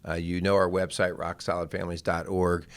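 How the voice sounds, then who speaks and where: A man's voice: deep voice, completely flat delivery, a little fast, smooth, dry recording. A middle-aged man hosting a radio talk show in a conversational, earnest and encouraging manner.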